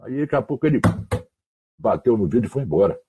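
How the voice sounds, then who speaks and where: A man from Mato Grosso do Sul in Brazil, a radio announcer guest on an online call, telling slangy anecdotes with lively, acted-out quoted voices. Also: medium pitch, fast talker, highs cut off, a little hiss or hum. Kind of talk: casual storytelling.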